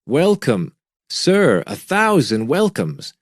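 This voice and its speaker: A man's voice: medium pitch, big pitch swings, unhurried, darkish tone, no room sound. A man voicing a sly, fawning middle-aged innkeeper who speaks eagerly and turns indignant, with a dry, close sound. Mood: effusive welcome.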